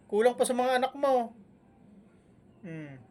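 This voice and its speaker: A man scolding and mocking a rival on a live stream, with taunting jabs and long humming pauses between them. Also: very high-pitched, expressive, mellow. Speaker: vlogger.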